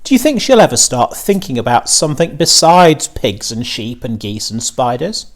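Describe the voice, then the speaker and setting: An anxious, plain-minded mother from a storybook farm, played by a male reader. She is fretful and full of questions, and her pitch swings in a very lively way. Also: moderate pace. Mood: worried. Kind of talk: children's storybook reading.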